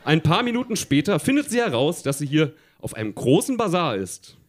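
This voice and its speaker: A man's voice: a little high, sing-song, a little fast. A man reading a children's story aloud, chuckling often, now and then stumbling over words and talking to his listeners.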